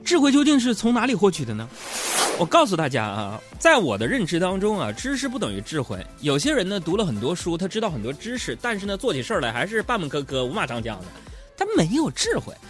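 Lively joking middle-aged man host. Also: high-pitched, fast talker, faint music behind. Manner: joking, teasing, chatty storyteller. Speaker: radio-style program host. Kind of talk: humorous storytelling talk show.

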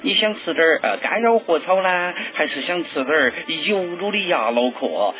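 A man's voice: on the high side, animated, normal speed, faint music behind. A man with a Sichuanese accent hosting a food show, heard through an AM radio set with a tinny, narrow sound, talking chattily to his listeners. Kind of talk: casual radio talk about food.

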